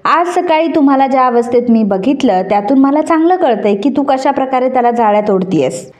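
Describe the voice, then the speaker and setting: Woman reading as a suspicious mother confronting her daughter-in-law; accusing, high, soft tone. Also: animated, fairly quick. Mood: stern. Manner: cold, accusing. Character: stern middle-aged mother, suspicious.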